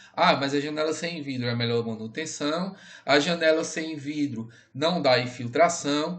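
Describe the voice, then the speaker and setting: This man speaks at a fairly slow pace with ordinary pitch variation. Audible room echo surrounds his voice. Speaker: teacher. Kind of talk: lecture.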